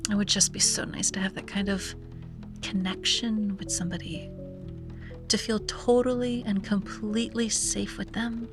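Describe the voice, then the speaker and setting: A woman playing a wistful, self-doubting young sea-witch in an ASMR roleplay, speaking softly and breathily with hesitant musing and frequent drops to a whisper. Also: mid-range voice, fairly even intonation, normal speed, over music, lightly acted. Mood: tender, yearning. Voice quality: breathy, often dropping to a whisper. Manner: hesitant, musing, sighing, gently playful. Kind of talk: ASMR roleplay, soft intimate monologue.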